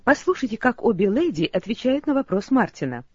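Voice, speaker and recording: A woman narrating a language lesson, giving clear instructions. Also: fairly high pitch, big pitch swings, quick pace. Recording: dull recording with faint music.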